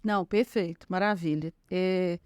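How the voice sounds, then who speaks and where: A woman's voice: fairly low pitch, fairly even intonation, a little slow, smooth, no echo, clean studio sound. Storytelling woman with a Minas Gerais accent. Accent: Minas Gerais Portuguese. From Minas Gerais, Brazil. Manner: warm storytelling with frequent fillers. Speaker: guest. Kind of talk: conversational interview.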